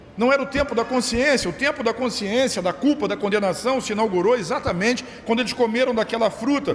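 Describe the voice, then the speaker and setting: Over noticeable background noise, a man talks fairly quickly in an animated tone at an extremely high pitch. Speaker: preacher. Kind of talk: sermon.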